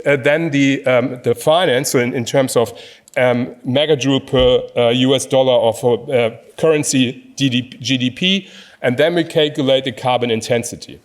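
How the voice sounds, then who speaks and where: A man giving a conference presentation on emissions data, speaking haltingly with many fillers and restarts. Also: mid-range voice. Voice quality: hesitant, frequent fillers.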